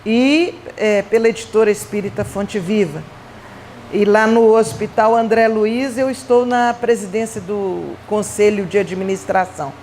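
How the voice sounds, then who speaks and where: A Brazilian woman giving a Spiritist conference talk, telling personal stories in an animated, chatty way with playful asides. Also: mid-range voice, unhurried, a little hiss or hum. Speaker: Spiritist speaker. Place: event hall.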